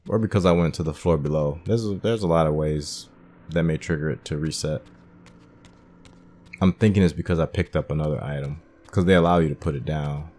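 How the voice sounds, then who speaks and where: A man's voice: rumbling low, brisk, darkish tone. A man giving casual commentary as he plays a video game, musing and thinking aloud as he works things out. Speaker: gamer hosting a playthrough.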